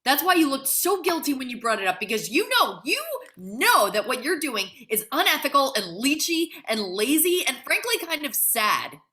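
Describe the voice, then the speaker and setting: A woman's voice: sits high, very animated, moderate pace, hardly any pauses, bright, forceful tone, full character voice. A woman playing an indignant, proud young male grad student with cutting sarcasm in a dramatic table read. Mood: scornful, angry.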